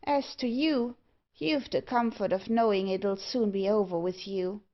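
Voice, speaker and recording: A woman voicing a small, brisk, cocky old male dwarf in a storybook. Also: mid-range voice, natural voice. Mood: brisk, nonchalant. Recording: dull, lo-fi audio.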